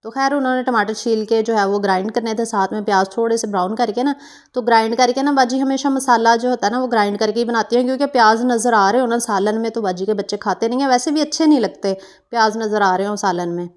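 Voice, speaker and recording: A woman's voice: on the high side, fast. A young woman from Pakistan, narrating her cooking vlog in a chatty, meandering way full of fillers and self-corrections. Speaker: cooking vlogger.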